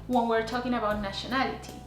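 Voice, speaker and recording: Woman, 30s, teacher, clear and deliberate, roomy echo, faint background music. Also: a little high, little pitch movement. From Argentina. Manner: clear, deliberate, slows down to spell out example phrases. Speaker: Spanish teacher. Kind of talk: scripted language lesson to camera. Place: small indoor room before a plain grey wall. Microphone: camera framed head and shoulders.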